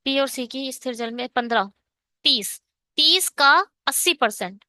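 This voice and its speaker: Bright, high-voiced woman teaching math. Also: a little slow, dry recording, studio quality. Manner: explains step by step, asking and answering her own questions. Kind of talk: online exam-prep math lesson.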